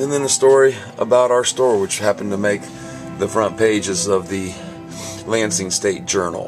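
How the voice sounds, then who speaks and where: A man keeps a moderate pace while music plays clearly behind him. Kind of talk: casual guided tour narration. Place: shop. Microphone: phone near.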